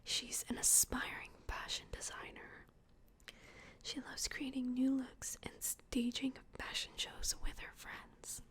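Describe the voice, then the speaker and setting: A woman doing a soft-spoken, whispered ASMR personal-attention roleplay as an adoption worker, gentle, hushed and reassuring. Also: sits high, monotone, takes it slowly. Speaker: ASMR roleplay host playing a plush toy adoption worker.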